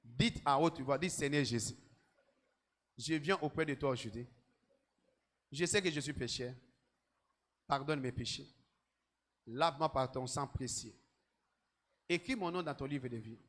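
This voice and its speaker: A man, a pastor leading prayer and preaching with repetitive shouted commands in a large church hall. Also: mid-range voice, measured pace, pauses often. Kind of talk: sermon and led prayer.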